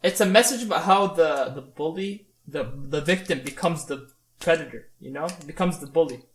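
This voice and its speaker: A man co-hosting a casual podcast chat, talking in an animated, opinionated way with lots of "like" and "right?". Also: on the high side, normal speed, roomy sound. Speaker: podcast co-host.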